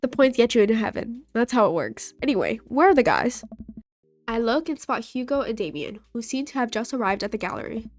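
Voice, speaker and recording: A woman's voice: fairly high pitch, very animated, fairly quick. A young woman with a stuffy nose from a cold, playfully reading a dating game aloud and voicing all of its characters as she plays. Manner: playful, reads characters in her own voice. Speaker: gaming video host. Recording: faint game music behind.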